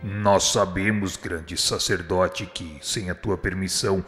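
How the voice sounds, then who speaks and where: A man's voice: sits low, steady tone, slow, fairly bright tone. An actor playing a kind, humble spirit instructor in a radio drama, solemn and eloquent as he pleads. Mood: humble pleading. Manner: solemn, supplicating, formal and eloquent. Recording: long hall reverb, music underneath. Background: music.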